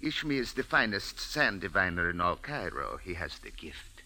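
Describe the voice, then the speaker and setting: An actor playing a tall, courteous Arab hotel manager and sheikh who speaks in a formal, gracious way, in a 1940s radio drama. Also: male voice, low-pitched, sing-song, moderate pace, pushed and bright, exaggerated voice.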